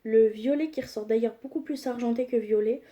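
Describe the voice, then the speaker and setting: A young woman chats enthusiastically through a makeup review, stopping often on small fillers. Her voice sits a little high but sounds soft and mellow. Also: fairly quick, muffled recording. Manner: chatty, enthusiastic, frequent "euh" fillers. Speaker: beauty vlogger.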